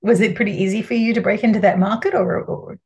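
A woman's voice: mid-range voice, steady tone, fast talker, vocal fry, a little mellow, highs cut off. A woman hosting a podcast interview, upbeat and chatty, who laughs easily. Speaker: podcast host.

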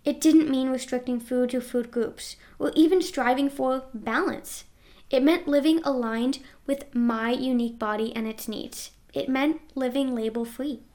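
A woman in her twenties reading her own personal memoir aloud in an earnest, reflective way. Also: sits high.

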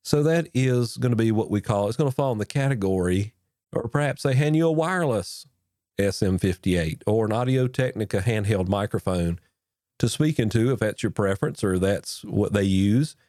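A man's voice: lowish voice, expressive, moderate pace, dark tone, no room sound. A man hosting a podcast as a pastor, talking close into a broadcast mic with a stuffed-up, nasal voice from illness, earnest and encouraging. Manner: earnest, encouraging, chatty with fillers. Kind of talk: instructional podcast talk. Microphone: dynamic broadcast mic, close.

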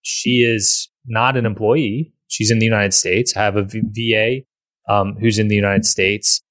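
A man's voice: fairly low pitch, steady tone, measured pace, fairly bright tone, no room sound, studio quality. A man hosting a podcast in casual conversation, rambling with frequent restarts and repeated words. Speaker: podcast host.

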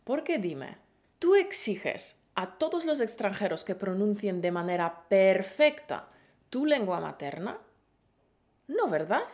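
A woman's voice: mid-range voice, very animated, measured pace, darkish tone. A woman co-hosting a Spanish-learning podcast, teaching in a playful, encouraging way with pet names. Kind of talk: lively scripted lesson.

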